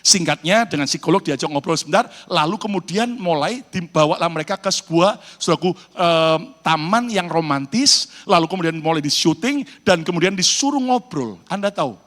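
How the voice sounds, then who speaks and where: Animated pastor in a reverberant hall. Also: male voice, on the high side, brisk, few pauses. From Indonesia. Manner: animated preaching with call-and-response to the congregation. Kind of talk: sermon. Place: church hall in New York.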